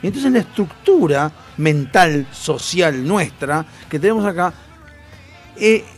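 A man's voice: on the high side, animated, slow, faint music behind. A man with a Rioplatense Spanish accent, co-hosting a radio show in heated casual banter, blunt and swearing freely.

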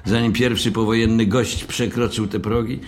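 An actor playing a stiff, self-important hotel manager in an audio drama, speaking formally and condescendingly with cold frankness. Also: male voice, on the low side, fairly even intonation, normal speed, close to an everyday voice. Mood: pompous lecturing. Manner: formal, condescending, hesitant openings.

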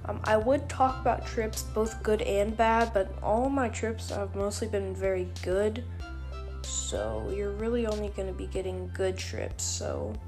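A woman's voice: medium pitch, steady tone, measured pace, darkish tone, faint music behind. Rambling teen girl with a sore voice. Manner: rambling, self-deprecating, many ums and throat clearing. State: sore, cracky voice. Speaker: podcast host. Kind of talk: casual solo podcast chat.

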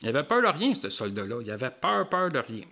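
A man with a Québécois French accent, telling a personal story in an animated way with local slang. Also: medium pitch, brisk.

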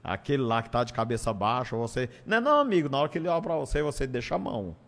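A man's voice: mid-range voice, lively intonation, rapid-fire, creaky. Northeastern Brazilian man, reverberant room. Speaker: stand-up comedian, interview guest. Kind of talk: casual conversational storytelling. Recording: long hall-like reverb.

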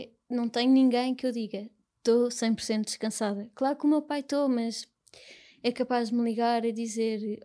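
A young woman with a European Portuguese accent, speaking as an interview guest in a soft, halting, reflective way. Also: high voice. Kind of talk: personal conversation.

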